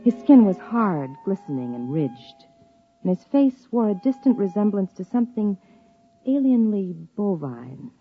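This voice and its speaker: A woman's voice: medium pitch, big pitch swings, measured pace, husky. An actress playing a polite, proper married woman who hosts and narrates in a 1950s radio drama, with genteel, careful speech. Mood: uneasy, descriptive. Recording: dull old radio recording, music behind.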